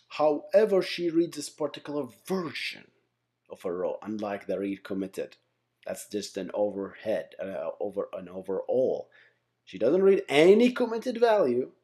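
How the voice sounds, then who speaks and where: A man presents an informal software lesson in a conversational way. His pitch moves around a lot, giving an animated delivery, while the tone stays relaxed and mellow. He often tags his points with quick check-ins to the listeners. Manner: conversational, often checks in with "right?", "okay?", "guys". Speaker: software engineering instructor, channel host.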